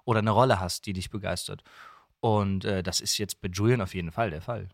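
A man chatting casually as an interview guest, telling anecdotes in an animated way. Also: lowish voice, a little fast, creaky, no echo, studio quality. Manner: animated storyteller, acting out quoted dialogue. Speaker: podcast guest, voice actor and dubbing director.

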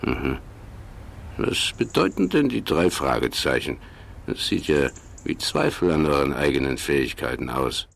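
An actor playing a genial, courteous older man questioning young detectives in a German radio play, with a gravelly voice. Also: extremely low pitch, sing-song, a little slow, slight background noise, full character voice. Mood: curious, skeptical.

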